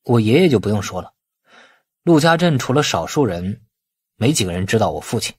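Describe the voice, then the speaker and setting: A man's voice: lowish voice, sing-song, a little fast, a little mellow, husky. A man voicing a wily, irritable, world-weary young man in an audiobook crime novel, talking in a colloquial, grumbling way. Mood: wry, subdued.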